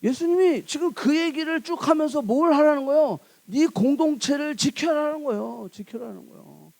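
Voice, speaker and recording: A woman's voice: sits high, moderate pace, darkish tone. A woman pastor preaching a sermon in a church, emphatic and full of rhetorical questions to the congregation.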